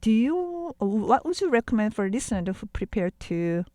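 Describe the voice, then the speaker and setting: A woman's voice: fairly high pitch, very animated, moderate pace, mellow, dry recording. A South Korean woman with a Korean accent hosting a radio interview and interpreting for listeners, a native Korean speaker. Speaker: radio host.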